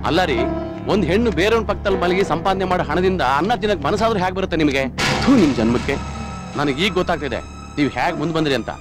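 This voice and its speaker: A scornful, harsh police inspector in a film drama, firing off rebukes. He talks extremely fast in a slightly raised voice. Loud music plays behind him. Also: high voice, animated. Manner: scornful, rapid-fire rebukes.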